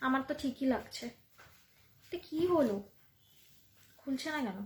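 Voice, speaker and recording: A high-pitched woman with a Bengali accent talks her viewers through one piece of jewellery after another, repeating each price in a chatty, friendly way. She is filmed on a phone at home, and her voice carries a roomy echo. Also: animated, a little slow. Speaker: online jewellery seller. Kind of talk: live selling stream. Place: home room. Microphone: phone camera. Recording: echoey room.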